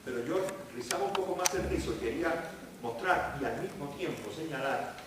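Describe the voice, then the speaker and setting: A man's voice: fairly high pitch, animated, brisk. A man giving an academic lecture as a professor, posing rhetorical questions and answering them himself with theatrical emphasis. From Spain. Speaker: history professor, guest speaker. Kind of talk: academic lecture delivered to a live audience. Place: indoor seminar hall. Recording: echoey room, distant mic, noisy background.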